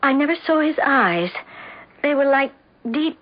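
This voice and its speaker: An actress playing a distraught, insistent wife in a 1970s radio drama, speaking in halting, anxious repetitions. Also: female voice, high-pitched, lively intonation. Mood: agitated, insistent. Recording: dull vintage radio recording.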